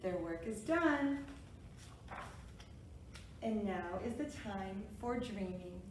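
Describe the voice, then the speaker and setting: A woman's voice: mid-range voice, expressive, slow pace. A woman with a kindergarten teacher voice, hosting a children's storytime, reading picture books aloud and guiding young listeners with simple, encouraging directions. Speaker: preschool storytime reader and host. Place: echoey room, away from the mic. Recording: very echoey room, distant mic, faint noise.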